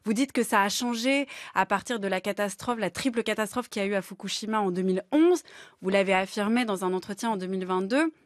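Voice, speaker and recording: A woman's voice: mid-range voice, fast, no echo, studio quality. A woman hosting a radio interview, asking long articulate questions with an occasional filler. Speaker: radio host.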